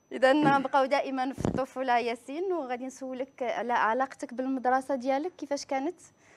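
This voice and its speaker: Against noticeable background noise, a woman speaks at a high pitch with fairly even intonation and hardly any pauses. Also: moderate pace. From Morocco. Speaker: TV talk show host. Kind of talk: interview. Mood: friendly, smiling. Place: studio. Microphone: lapel.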